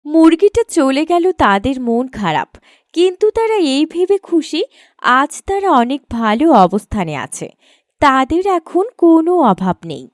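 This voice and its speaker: A woman's voice: high voice, big pitch swings, a little slow, dry recording, studio quality. A woman reading scripted narration as the storyteller of a children's moral tale.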